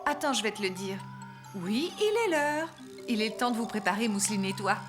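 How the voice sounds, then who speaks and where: A woman playing a kind, patient, playful mother in a French children's cartoon, talking gently in a sing-song way to children. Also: mid-range voice, animated, moderate pace, music in the background, natural voice.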